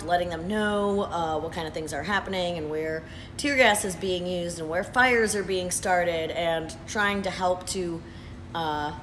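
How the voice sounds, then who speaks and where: A hoarse man in his thirties talks earnestly in a casual vlog, pausing often with "uh" and "um". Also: high-pitched, fairly bright tone, slight background noise, poor audio. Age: 30s. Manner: earnest, unhurried, with frequent "uh" and "um". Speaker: vlogger. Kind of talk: casual talking-head update. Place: sitting at his workplace after hours.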